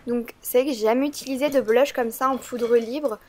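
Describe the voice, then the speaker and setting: A woman with a stuffy, slightly congested voice from a cold. She talks through a makeup tutorial in a fairly high voice, with a chatty, meandering delivery. Frequent "euh" fillers and small hesitations run through her speech. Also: steady tone, a little fast, darkish tone, slight background noise. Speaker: beauty vlogger.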